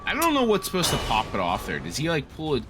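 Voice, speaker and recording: A man's voice: a little high, huge pitch swings, fast talker, music in the background. A man co-hosting a gaming session in casual chat, rambling, joking and swearing freely. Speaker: gaming co-host. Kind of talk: casual chat over gameplay.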